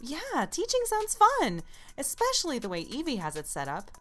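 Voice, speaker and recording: A woman's voice: sits high, wildly swooping pitch, moderate pace, music in the background. A woman playing an encouraging young diner worker in an audio drama, with a casual, playful manner. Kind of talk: naturalistic audio drama acting.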